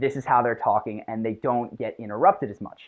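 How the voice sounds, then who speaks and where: A resonant, put-on character voice delivered in a confident tone at a fairly quick pace. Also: man. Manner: assertive, confident.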